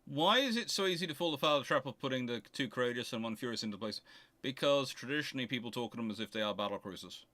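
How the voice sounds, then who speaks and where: In a dry recording, a mid-range male voice moves fast as he fields questions on his naval history stream. The explanations wander casually, but he delivers them with animated, argumentative force, revising his own words mid-sentence.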